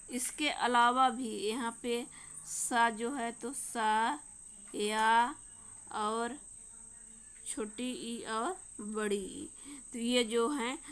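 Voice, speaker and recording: A woman's voice: a little high, a bit bright, a little hiss or hum. A woman teacher with a Madhya Pradesh Hindi accent, working through a worksheet and sounding out each letter one by one. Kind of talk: worksheet lesson walkthrough.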